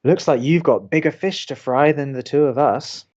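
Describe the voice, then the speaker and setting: A man's voice: on the high side, moderate pace, darkish tone, lo-fi sound, natural voice. A man playing a sardonic, protective young college radio co-host in an audio drama, with a dry, sarcastic manner.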